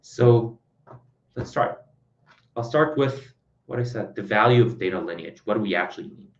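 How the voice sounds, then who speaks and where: A man with a cold giving a conference talk as a product executive, relaxed and self-deprecating, with frequent filler sounds. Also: fairly low pitch, normal speed. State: has a cold. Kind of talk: presenting a tech conference talk. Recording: echoey, dull lo-fi sound.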